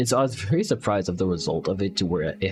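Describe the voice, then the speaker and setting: This man talks at a fairly low pitch in a somewhat breathy voice with ordinary pitch variation. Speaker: college student. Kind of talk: casual vlog talk to camera.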